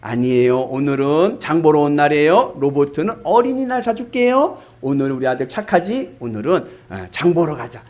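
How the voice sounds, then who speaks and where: A man voicing a patient mother who calmly coaxes her son. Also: a little high, moderate pace, hardly any pauses. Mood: coaxing. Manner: calm, coaxing.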